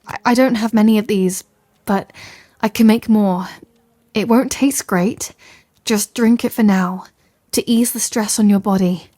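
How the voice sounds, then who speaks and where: A woman's voice: medium pitch, fairly even intonation, a little slow, mellow, close to an everyday voice. A woman playing a capable, caring scholarly wizard in an ASMR fantasy roleplay, speaking to the listener in an articulate, bookish, reassuring way. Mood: concerned, urgent. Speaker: audio roleplay performer.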